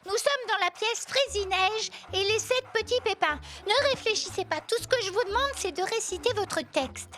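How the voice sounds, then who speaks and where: A woman voicing a bossy, perfectionist young girl in a children's cartoon, with a brisk, exacting, commanding manner. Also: very high-pitched, a bit bright, faint music behind. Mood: exasperated.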